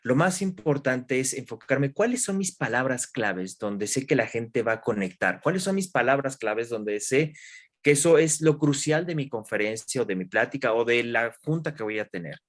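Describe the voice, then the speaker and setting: A man, a guest expert in an interview, explaining calmly with examples and questions to the listener. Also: medium pitch, moderate pace. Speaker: guest expert in human development.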